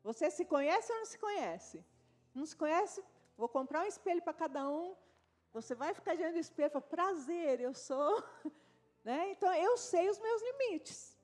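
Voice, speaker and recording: A woman's voice: extremely high pitch, sing-song, normal speed, darkish tone, faint music behind. A woman pastor with a Brazilian accent, preaching a sermon in a conversational way with frequent tag questions and asides to the congregation. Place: church service.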